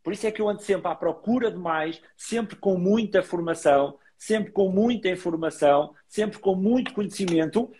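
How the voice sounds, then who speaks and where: Portuguese guy, high voice, animated, explains body language stuff with lots of emphasis. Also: normal speed, few pauses. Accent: European Portuguese. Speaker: body language expert guest. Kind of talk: casual interview over a live video call.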